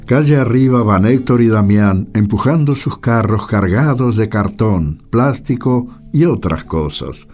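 A man's voice: on the low side, lively intonation, unhurried, hardly any pauses, darkish tone, soft background music. A man with an Argentine accent reading scripted narration for a radio drama.

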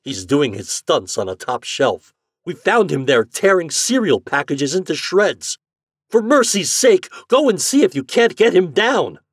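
Man playing an irate, blustering shopkeeper, husky. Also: on the high side, sing-song, measured pace, dry recording, studio quality, pitched above the performer's own voice, heavily acted. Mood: exasperated, snarling. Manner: snarling, scolding. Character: irate blustering male market owner.

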